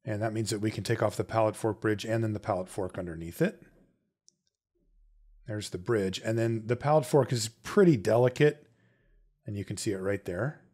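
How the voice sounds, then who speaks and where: The host of a watch repair channel narrates a casual step-by-step tutorial, chatting through each stage as though thinking aloud. His voice is fairly low, husky, and a little mellow, moving at a normal speed.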